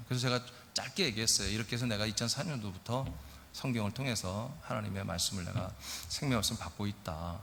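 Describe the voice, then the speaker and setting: A middle-aged male pastor preaching a lively sermon, often asking his congregation questions. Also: lowish voice, creaky, slight background noise. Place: church sanctuary. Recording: church hall reverb.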